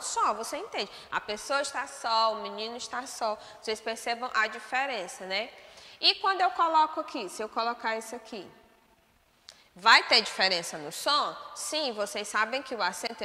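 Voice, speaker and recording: A woman with a Brazilian Portuguese accent teaches an online class, walking her pupils through the material and pausing to check they follow. Her voice is bright and a touch high. The recording carries a long reverb. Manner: explanatory, checks in with "né?" and "certo?". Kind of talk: remote class lesson over shared slides.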